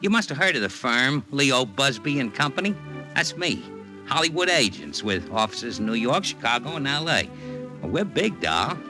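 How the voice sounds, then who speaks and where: A man's voice: mid-range voice, big pitch swings, moderate pace, natural voice. An actor plays a brash Hollywood agent with slangy patter, his voice swinging up and down as he works the angles. It comes from an old radio transcription with music running behind. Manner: brash slangy patter, calls listener doll. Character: fast-talking male Hollywood talent agent, brash. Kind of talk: 1940s radio acting.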